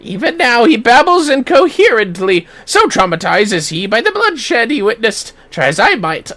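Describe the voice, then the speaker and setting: A performer acts out a fussy male villager from a fantasy game. The voice sits high and swoops around, declaiming in formal, archaic phrases with frightened indignation. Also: pushed and bright, heavily acted.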